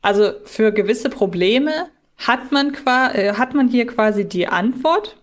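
A woman's voice: a little high, animated, measured pace. A woman co-hosting a podcast in a casual, analytical way, correcting herself as she thinks aloud. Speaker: podcast co-host.

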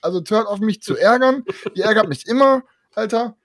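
A young man in casual chat about a board game, animated and defensive, swearing often. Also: sits high, brisk, no echo, clean studio sound. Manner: animated, defensive, swears a lot, repeats "pass auf". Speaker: board game podcast co-host.

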